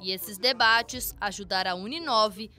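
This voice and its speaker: A woman with a Brazilian Portuguese accent reading a scripted news report in an even, polished way. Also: medium pitch, normal speed, soft background music.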